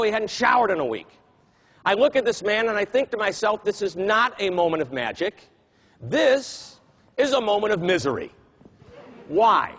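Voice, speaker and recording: A man giving a talk to an audience, telling an animated story and acting out the voices he quotes. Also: sits high, poor audio. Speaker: keynote speaker.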